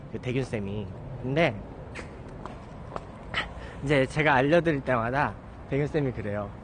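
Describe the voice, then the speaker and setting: A man's voice: on the high side, slight background noise. Chatty man streaming while he walks. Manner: chatty, rambling, self-mocking asides. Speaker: live streamer. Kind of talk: casual walking livestream chat. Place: outdoors on a residential street. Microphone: handheld phone at arm's length.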